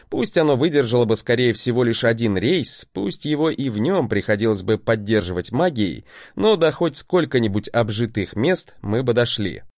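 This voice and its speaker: A man's voice: medium pitch, darkish tone, no echo, clean studio sound. A man giving a wry, conversational first-person audiobook narration.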